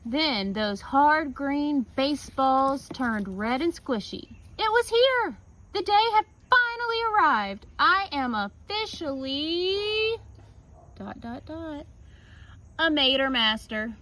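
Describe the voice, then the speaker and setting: Higher-voiced woman reading a children's story. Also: big pitch swings, slow pace, bright, forceful tone. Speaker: teacher reading a picture book aloud. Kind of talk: children's story read-aloud with casual asides.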